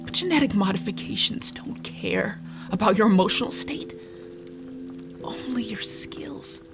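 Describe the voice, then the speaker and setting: A calm, compassionate stateswoman and mother in an audio fiction drama. She speaks slowly and gently, with a noticeable creak, persuading with care. Music plays behind her. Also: mid-range voice. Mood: tender, persuasive. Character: calm, compassionate woman politician and devoted mother.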